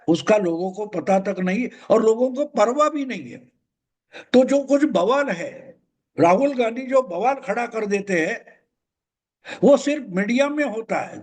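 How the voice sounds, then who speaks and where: Older male commentator, very high voice, emphatic and repetitive solo monologue. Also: darkish tone. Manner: emphatic, repeats points. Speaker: political commentator.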